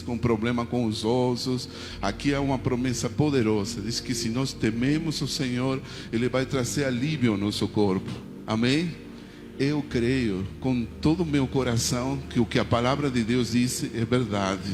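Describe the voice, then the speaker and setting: A mid-range voice fills a big room as this pastor, a native Spanish speaker from Argentina, preaches with an Argentine accent. He leads the congregation in prayers and responses, saying "amém" frequently.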